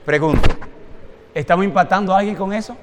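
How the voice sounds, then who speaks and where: A man preaching a lively, humorous sermon as a pastor. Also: high voice, a little fast, long reverb tail, noisy background. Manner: animated, humorous storytelling.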